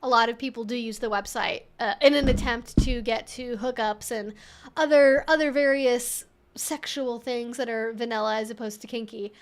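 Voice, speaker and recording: High voiced woman doing a chatty livestream q&a, kinda rambly and amused, thinks out loud. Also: fairly even intonation, moderate pace. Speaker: livestream host and kink educator. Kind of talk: casual live Q&A chat, reading out and reacting.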